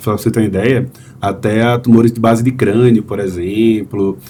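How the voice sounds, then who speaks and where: The man's tone is dark and mellow. He keeps a moderate pace. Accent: northeastern Brazilian. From Brazil, Recife, Pernambuco. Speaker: otolaryngologist. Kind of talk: casual interview chat. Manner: animated.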